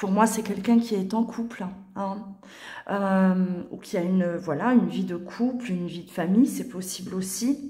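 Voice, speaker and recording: A woman speaks at medium pitch with fairly even intonation. Audible room echo is present. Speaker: tarot card reader. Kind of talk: tarot reading to camera. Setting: home office. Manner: loud; hesitant, many fillers. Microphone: echoey room sound.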